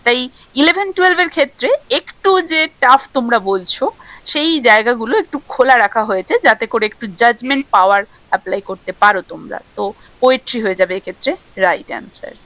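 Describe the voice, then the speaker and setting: A woman tutor with a Bengali accent going over an exam answer key, reading questions slowly and explaining quickly. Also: fairly high pitch, pushed and bright, no room sound, low-quality recording.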